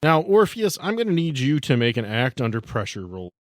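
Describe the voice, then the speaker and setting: A man's voice: medium pitch, sing-song, fairly quick, no room sound, clean studio sound. A man narrating a tabletop game as game master, informal and speaking straight to his players. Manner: informal, addresses players directly.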